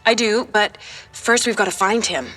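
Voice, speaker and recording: A mid-pitched woman in an acted role, assured and urgent, as a visitor from the future in an audio drama. Faint music plays behind her. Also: normal speed, a bit bright, close to an everyday voice. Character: confident, urgent future self of a teenage girl. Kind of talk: fiction podcast voice acting.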